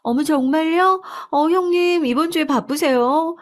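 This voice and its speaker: A woman doing a very high, fake-sweet sister-in-law. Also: unhurried. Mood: mocking. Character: sly young woman, mocking sister-in-law.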